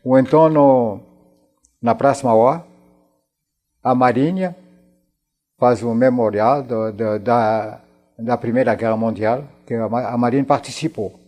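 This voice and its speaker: A very old man with a French accent and a dark, soft-edged voice recalls things in an interview. He speaks haltingly, circling back to repeat words as a non-native speaker does. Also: medium pitch, steady tone. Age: 90s. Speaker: interview guest, war veteran. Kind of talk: conversational recollection in a television interview.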